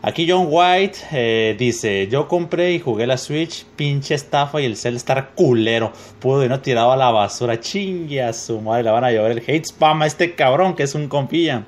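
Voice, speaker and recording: A man's voice: mid-range voice, moderate pace, few pauses. Profane Mexican man reading comments. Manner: profane, joking, reads comments aloud with laughs. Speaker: gaming youtuber reading comments. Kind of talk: casual screen-reading commentary.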